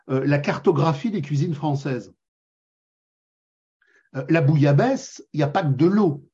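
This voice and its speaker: An older man with a husky, fairly high voice lectures emphatically. He piles up lists and repeats phrases for force. The sound is dull and lo-fi. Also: dark tone. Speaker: guest. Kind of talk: political discussion.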